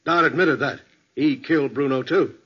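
Actor as a brash, bright-voiced male cop. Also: mid-range voice, moderate pace, natural voice. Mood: curious. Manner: blunt, barking, wisecracking. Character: brash, gruff male police detective. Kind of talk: 1940s radio acting. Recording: dull old radio recording.

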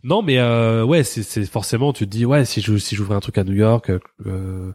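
A man's voice: on the low side, moderate pace, a little mellow, no echo. A man from the Paris area, a creative agency co-founder, chatting in an interview and talking hesitantly with many fillers and restarts. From France, Paris area. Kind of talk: casual interview chat.

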